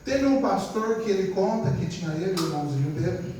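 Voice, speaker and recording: A man's voice: high voice, lively intonation, a little fast, dark tone. A man preaching a storytelling sermon at a church service. He talks conversationally, often asks the congregation to agree, and acts out the voices of family members in his stories. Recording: echoey church, distant mic, faint noise.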